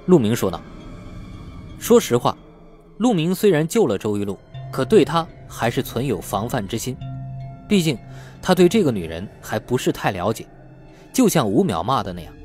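Guy reading an audiobook novel, pretty lively pitch swings, faint music behind. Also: normal speed. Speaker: audiobook narrator. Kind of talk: scripted novel narration.

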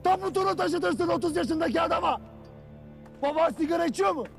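A man playing a stern army commander who berates his soldiers in a film-scene reenactment, with bitter lecturing and barked shouting. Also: very high-pitched, brisk, gravelly, soft background music. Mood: grim, sarcastic.

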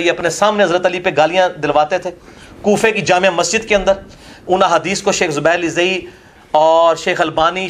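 Male religious scholar, Pakistani Urdu accent, high voice, emphatic and scornful in debate. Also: fairly bright tone. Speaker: religious scholar answering questions. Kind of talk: polemical Q&A lecture. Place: academy lecture hall.

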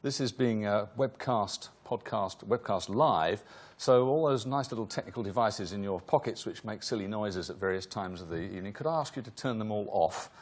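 Low-voiced male host, formal but rambling, lectern welcome. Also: normal speed. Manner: rambling, many fillers and self-corrections. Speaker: host introducing a lecture. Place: lecture hall, at a lectern.

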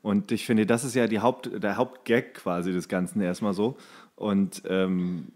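A man's voice: on the low side, steady tone, a little slow, darkish tone. A man co-hosting a casual chat podcast, talking colloquially in rambling sentences that often trail off. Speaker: podcast co-host. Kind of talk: casual chat about series.

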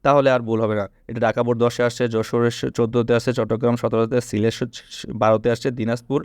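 Male tutor, rapid and clear, drills rules by repetition and quick questions. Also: medium pitch, flat delivery, darkish tone, no room sound, studio quality. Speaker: teacher. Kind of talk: online spelling lesson.

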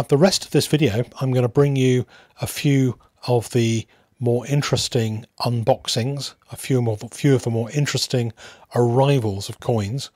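Guy doing laid-back unscripted hobby narration, mid pitch, bit hesitant, very dry recording. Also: a little mellow, no echo. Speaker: host of a coin collecting channel. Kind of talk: casual unscripted video narration.

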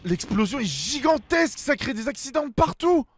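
High-pitched, animated man playing a game. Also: moderate pace, no room sound. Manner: exclamatory, reactive, talks to himself. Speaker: gaming video host. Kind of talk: excited let's play commentary.

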